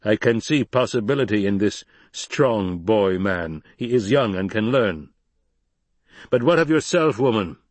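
A man's voice: fairly low pitch, expressive, unhurried, no room sound. A man playing a tall, stern desert tribal leader in an audiobook, speaking formally and with authority. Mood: measured, probing.

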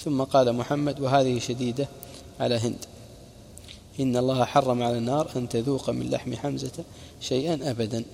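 A man's voice: mid-range voice, level tone, brisk, creaky, dark tone, long reverb tail, slight background noise. A man preacher narrating a religious history lesson, recounting reports and quoted sayings with brief explaining asides.

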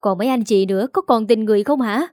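A woman's voice: a little high, fast talker, a little mellow, no room sound, studio quality, lightly acted. A woman doing an indignant outspoken daughter. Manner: scornful and pleading.

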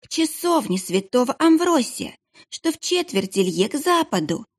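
A woman's voice: high voice, sing-song, normal speed, pitched above the performer's own voice. A woman voicing a frightened young kitchen boy who whines and whimpers. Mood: timid. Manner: squealing, whining, tearful.

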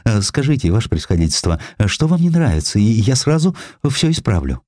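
A broken old man of letters, acted by a male audiobook narrator, timid and ingratiating. He stammers as he pleads, his pitch wobbling widely, recorded dry and close. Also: big pitch swings, brisk, a little mellow, no room sound. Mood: fawning, anxious.

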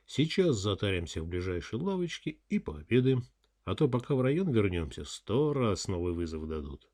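Reader as chatty middle-aged driver, condescending, deep voice. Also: male voice, sing-song, moderate pace, darkish tone. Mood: cheerful. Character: talkative middle-aged male ambulance driver.

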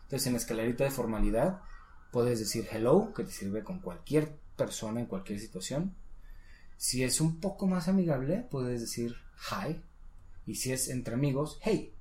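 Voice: mid-range voice, animated, normal speed, darkish tone. A patient, encouraging teacher giving a one-on-one English lesson, modeling pronunciation and explaining in Spanish.

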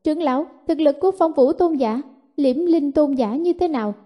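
A woman voicing an anxious young holy maiden who asks quick, worried questions. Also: high-pitched, dark tone, pitched above the performer's own voice, lightly acted.

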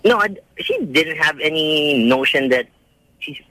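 A man calling into a radio show, telling a story in halting, restarting sentences. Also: a little high, expressive, pushed and bright, rough recording. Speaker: radio caller.

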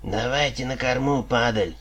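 A man's voice: medium pitch, steady tone, takes it slowly, vocal fry, fairly bright tone, voice pushed up, full character voice. A man voicing a brutal male galley slave-driver who bellows harsh orders. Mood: sneering.

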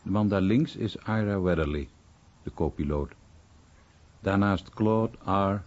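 A man's voice: low voice, unhurried, darkish tone. A man reading scripted, translated documentary narration as a voice-over. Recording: dull, muffled broadcast recording.

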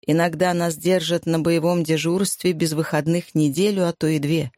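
A woman's voice: low-pitched, fairly even intonation, moderate pace, dark tone, no room sound, studio quality, natural voice. A woman reading the part of an easygoing young wartime airman, good-humoured and matter-of-fact.

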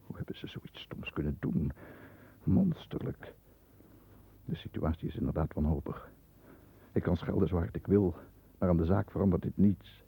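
A man acting a stern, proud middle-aged lawyer in a 1960s radio play, speaking with formal, measured diction. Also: deep voice, expressive, creaky, breathy edge, exaggerated voice. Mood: grim, agitated. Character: stern, proud male lawyer protecting the family name. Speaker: actor in a radio drama. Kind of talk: 1960s Dutch radio play acting, first-person narration and dialogue. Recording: muffled, thin 1960s radio recording.

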